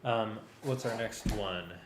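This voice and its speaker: Hesitant man, low-voiced, in an echoey room. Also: slow pace. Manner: hesitant, thinking aloud. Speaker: music arranger rehearsing for a live script reading. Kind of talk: casual working discussion. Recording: echoey room with faint background noise.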